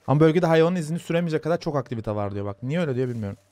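A young man casually commenting on his gameplay, chatting to his viewers and softly calming a horse in the game. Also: fairly high pitch, racing, no room sound. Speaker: gaming YouTuber. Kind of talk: casual let's-play commentary.

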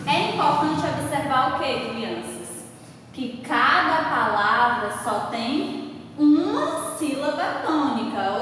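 A Brazilian woman teaching young children speaks slowly and patiently, her high voice leaning hard on each stressed syllable. She sits well back from the mic in a booming, echoey room with a long reverb tail and a faint hiss behind her. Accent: Brazilian Portuguese. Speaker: schoolteacher. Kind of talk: recorded lesson for children. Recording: echoey room heard from far off.

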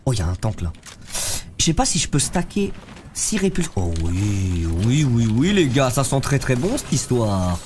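A man's voice: medium pitch, very animated, normal speed, a little mellow, soft background music. Slangy young man streaming, stuffy cold. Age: young adult. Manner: slangy, loose, talks to chat while playing. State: congested with a head cold. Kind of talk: live gameplay streaming, chatting with viewers. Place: streaming room, seated in a gaming chair.

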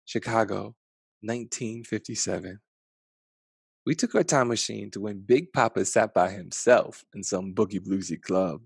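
Gravelly low-voiced man reading a storybook. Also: moderate pace, dry recording. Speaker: author reading his own picture book aloud. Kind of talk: expressive storybook narration. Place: small bedroom at home. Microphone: headset.

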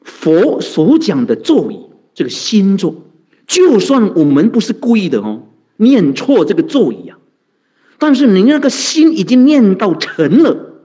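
A man, a Buddhist monk, telling a story in a dharma talk, animated and chuckling, chanting mantras slowly. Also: high voice, slightly rough. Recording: dull lo-fi recording.

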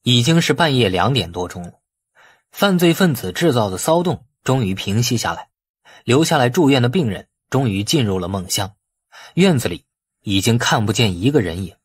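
A male audiobook narrator tells a story with lively, varied intonation. His voice is mid-pitched and slightly husky, recorded close and dry. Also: normal speed, dry recording. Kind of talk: expressive scripted novel narration.

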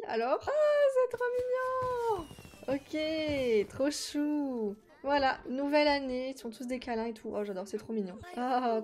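A woman's voice: a little high, darkish tone. Chatty young woman gaming. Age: 20s. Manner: chatty, talks to her game characters and viewers; quick exclamations of delight and confusion. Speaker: gaming YouTuber. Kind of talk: casual Let's Play commentary.

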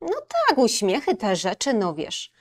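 A woman's voice: medium pitch, big pitch swings, measured pace. A woman voicing a timid, easily frightened male wolf in a children's storybook reading, anxious and hesitant. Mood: fearful.

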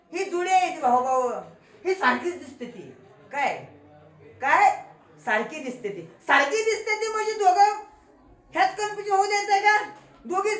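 A woman's voice: extremely high pitch, a bit bright. A woman teacher with a Marathi accent, playfully quizzing a class of children and teasing them. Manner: playful, teasing, quizzes pupils with call-and-response. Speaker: school teacher. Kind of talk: classroom grammar lesson. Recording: echoey classroom with children's voices.

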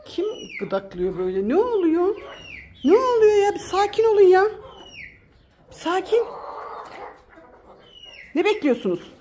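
A woman with a high, bright-sitting voice chatters away outdoors by a chicken coop, fussing over her hens and turning to her viewers. Her talk is exclamatory and affectionate, full of quick asides. Faint hiss and clucking hens sit behind her. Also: sing-song. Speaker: vlogger and backyard chicken keeper. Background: hens clucking nearby.

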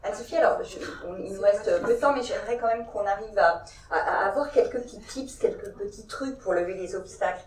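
A woman's voice: medium pitch, a little fast, hardly any pauses, slight background noise. A woman moderating a round-table discussion, asking panelists questions in a conversational way. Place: large conference hall. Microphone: handheld mic, filmed from far. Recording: echoey hall from far off.

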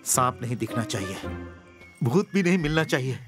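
A man's voice: mid-range voice, very animated, normal speed, natural voice. An actor dubbing a bumbling, cowardly middle-aged comic sidekick who whines and blurts out his thoughts. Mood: jittery. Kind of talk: dubbed film acting. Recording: film soundtrack with loud music.

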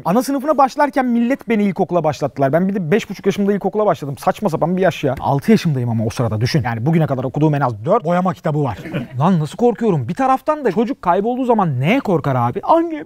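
A young man telling a comic childhood story on a talk show, acting out the voices of his family and strangers. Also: extremely high pitch.

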